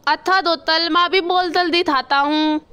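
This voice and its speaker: Woman voicing a gentle lisping crow dad for a cartoon, high and bright tone. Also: fairly even intonation, unhurried, full character voice. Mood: lisping, fond. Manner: lisping baby-talk speech. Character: lisping male crow father, kind and self-sacrificing.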